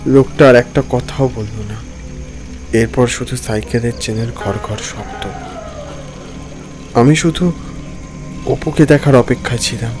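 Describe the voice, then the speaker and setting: A man's voice: medium pitch, measured pace, long pauses, over music, lightly acted. A man playing a nervous lawyer who narrates his own ghost encounter in a dramatic, suspenseful first-person style. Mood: hushed suspense. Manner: tense, suspenseful, stammering when frightened. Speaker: narrator and main character.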